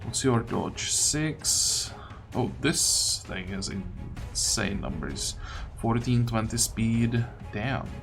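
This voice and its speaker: Animated man commentating over game music. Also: on the low side, drawn-out words, vocal fry. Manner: thinks aloud, muttering questions to himself. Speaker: gaming video host. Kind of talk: casual gameplay commentary. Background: video game music.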